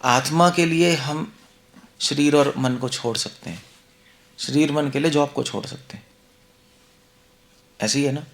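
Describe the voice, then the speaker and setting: A man's voice: fairly high pitch, measured pace, long pauses. A male monk giving a conversational scripture class, mixing Hindi and English, asking the listeners rhetorical questions. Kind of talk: Hindi-English devotional lecture.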